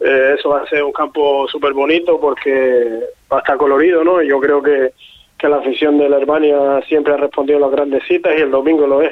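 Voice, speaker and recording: A man speaks at a moderate pace in a fairly high pitch, his intonation flat and monotone. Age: 30s. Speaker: footballer. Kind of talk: radio interview.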